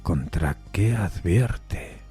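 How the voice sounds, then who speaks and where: A man playing an anguished railway signalman haunted by a spectre, earnest, deferential and hushed, in a dramatic audio story. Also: deep voice, animated, drawn-out words, faint music behind, exaggerated voice. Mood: anguished, fearful. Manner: troubled, pensive, hushed.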